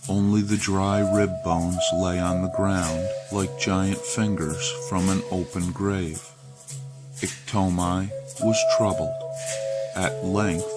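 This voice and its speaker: A man reading a legend as scripted storybook narration, in a measured, deliberate way. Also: deep voice. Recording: loud music behind the voice. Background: loud music.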